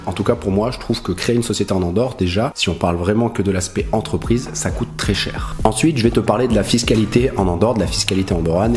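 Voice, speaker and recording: A man's voice: lowish voice, a little mellow. A man hosting an explainer video, talking straight to the viewer and recapping each point as he goes. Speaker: business consultant, channel host.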